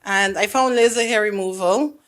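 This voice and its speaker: A woman's voice: medium pitch, normal speed, fairly bright tone. A middle-aged woman from Saint Lucia, a salon owner and former police officer, telling her story candidly on a morning show. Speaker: laser hair removal business owner, guest.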